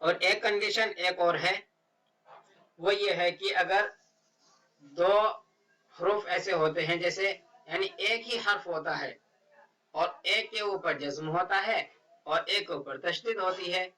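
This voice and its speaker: Bright, slow-spoken man teaching Quran reading. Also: high-pitched, distant mic, rough recording. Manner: slow, drawn-out syllable-by-syllable spelling of Arabic words. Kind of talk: step-by-step recitation lesson.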